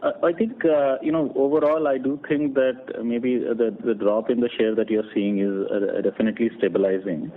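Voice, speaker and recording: A man's voice: medium pitch, fairly even intonation, normal speed, few pauses. Man on a noisy, narrow phone line. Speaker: company executive answering analysts' questions. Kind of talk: earnings call question-and-answer, unscripted. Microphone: conference phone call.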